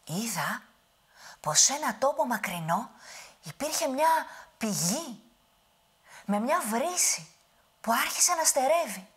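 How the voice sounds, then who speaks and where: A woman voicing a doting, scolding old witch who is the giant's grandmother, with a husky voice. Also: very animated, long pauses. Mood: coaxing. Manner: high, loud, scolding and cooing.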